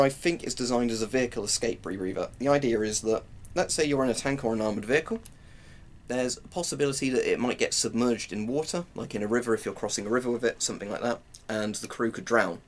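A military gear reviewer, British and in his twenties, talks fast at a medium pitch. He rambles casually through his explanation while demonstrating the gear, recorded noisily in a small, cluttered room at home.

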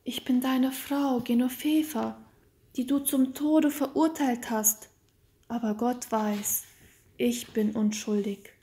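A woman's voice: on the high side, fairly even intonation, slow pace, dark tone. A woman voicing a frail, devoted wife in a storybook, speaking tenderly and tearfully with earnest pleading. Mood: weak, earnest. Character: frail, devoted wronged wife, gentle and forgiving. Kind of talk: dramatic storybook reading.

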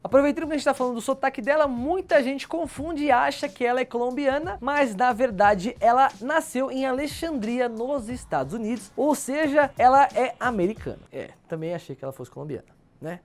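A man's voice: very high-pitched, lively intonation, fairly quick. A young man hosting a music channel, chatting casually and slangily to viewers, with a clip-on mic. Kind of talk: casual music explainer video. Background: background music.

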